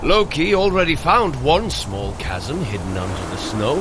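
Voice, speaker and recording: An actor playing a hearty, confident warrior god who coaches with formal, commanding speech in an audio adventure. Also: male voice, medium pitch, lively intonation, a little slow, background noise, natural voice. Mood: steady, encouraging. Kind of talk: scripted audio adventure acting.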